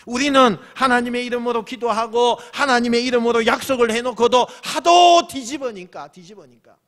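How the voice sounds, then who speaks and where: Speaking in a high-pitched voice, a male senior pastor delivers an emphatic sermon. He keeps repeating phrases and putting questions to his congregation.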